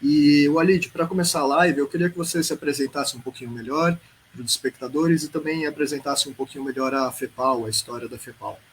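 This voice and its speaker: A man's voice: a little high, fairly even intonation, fairly quick, poor audio. A Brazilian man speaking casually as a podcast host, introducing a live show. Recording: noticeable background noise.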